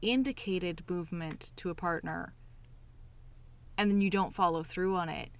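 A woman co-hosting a podcast, speaking in a measured, deliberate way as she searches for her words in casual conversation. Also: lowish voice, steady tone. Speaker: podcast co-host and circus performer.

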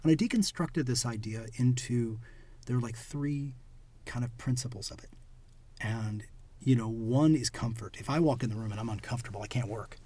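A husky-voiced man talks through an idea at a relaxed, conversational pace. He explains carefully and often lets the ends of his sentences drop to a murmur. His pitch sits in an ordinary middle range. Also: moderate pace. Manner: thoughtful, explanatory, trailing off quietly at ends of phrases. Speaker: podcast co-host and clown performer. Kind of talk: reflective casual conversation.

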